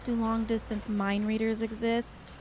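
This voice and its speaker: A woman's voice: on the high side, completely flat delivery, measured pace, lightly acted. Worried young woman, noisy street behind, an actress. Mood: anxious. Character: anxious young cryptid woman from Alaska, homesick, wry. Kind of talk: acted dialogue in an audio drama podcast.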